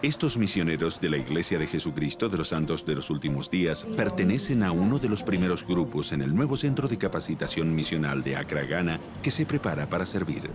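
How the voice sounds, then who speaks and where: A man narrating a news feature in a measured, formal scripted voice. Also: low voice, animated, over music.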